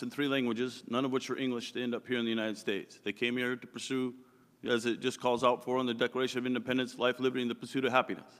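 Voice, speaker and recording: This man's pitch sits in the medium range. He talks at a very fast pace. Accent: Pacific Northwest. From US Pacific Northwest, Anacortes, Washington. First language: Croatian. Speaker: political candidate. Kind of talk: campaign speech at candidate forum.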